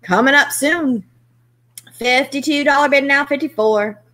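A middle-aged woman hosting a live online auction from home, calling out bids in a brisk, rhythmic patter. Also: high-pitched, pushed and bright. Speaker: auction host. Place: home room, indoors.

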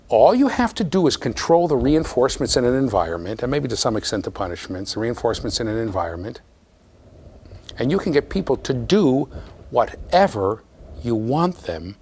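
Man, university lecturer, low voice, animated pitch, chatty, addresses the class. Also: breathy edge. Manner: lively, conversational, addresses students directly.

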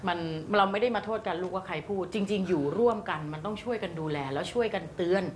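A middle-aged woman head teacher lecturing her students in a classroom, gently and politely, calling them her children. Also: mid-range voice, fast talker, a little hiss or hum.

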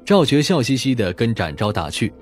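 A man's voice: medium pitch, very animated, brisk. A man narrating a scripted crime audiobook. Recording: music playing behind the voice. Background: background music.

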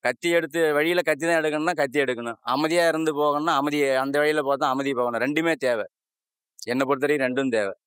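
A man's voice: a little high, quick pace, fairly bright tone, smooth, no room sound, clean studio sound. A middle-aged man giving emphatic opinions in a street interview, often ending with rhetorical questions. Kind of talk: street vox pop answers. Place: footbridge stairway outdoors. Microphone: handheld interviewer mic.

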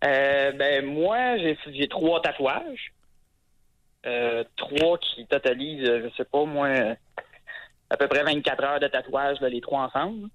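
A young man with a Quebec French accent calls in, speaking at a middle pitch, haltingly and full of fillers as he restarts his sentences. His voice comes through a dull, muffled phone line. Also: animated, fairly bright tone. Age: 20s. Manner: hesitant, many fillers and restarts. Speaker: caller. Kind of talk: phone-in call on a talk show.

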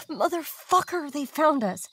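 Audio drama defiant young runaway woman: high, very animated, blunt, desperate. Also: slow, exaggerated voice. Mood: urgent, annoyed. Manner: casual, blunt, swearing. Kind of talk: naturalistic audio drama acting.

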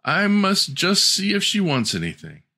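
A man voicing a stern male huntsman in a fairy-tale reading, declaiming in an old-fashioned, forceful way. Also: sits high, wildly swooping pitch, normal speed, breathy edge, pitched above the performer's own voice, heavily acted.

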